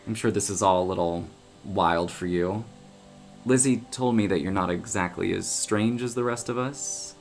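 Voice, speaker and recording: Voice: low voice, normal speed, soft background music. A woman playing an easygoing, wry friend of a small-town oracle, talking casually and breezily in an audio drama. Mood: gentle, curious.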